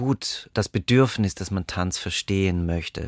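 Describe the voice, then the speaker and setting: A man at a fairly slow pace, in a very clean recording with a silent background and a dry, close sound with no echo. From eastern Switzerland, St. Gallen. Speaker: choreographer. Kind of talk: radio interview.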